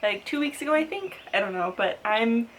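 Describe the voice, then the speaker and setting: A woman's voice: on the high side, lively intonation, moderate pace, slight background noise. A woman of thirty talking to camera in a casual sit-down vlog, chatty and upbeat, full of "like" fillers. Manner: chatty, frequent "like" fillers, upbeat with light laughs. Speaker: lifestyle vlogger.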